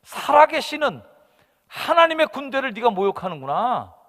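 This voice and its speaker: A man voicing a defiant young shepherd boy, shouting loud and indignant challenges. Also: very high-pitched, big pitch swings, normal speed, voice pushed up, full character voice. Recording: long hall reverb.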